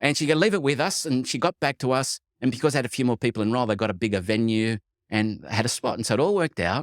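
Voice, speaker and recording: A man with an Australian accent speaks very fast at a medium pitch, his intonation lively and the sound dry and close with no echo. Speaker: coaching academy CEO. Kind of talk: podcast interview. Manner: halting.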